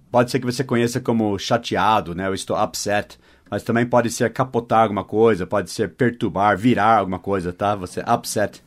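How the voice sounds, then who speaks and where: A man giving a short podcast lesson on English vocabulary, in a voice of middling pitch. He spells each word out letter by letter and slows down for the example sentences. He keeps checking in with his listeners as he explains. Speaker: English teacher and podcast host.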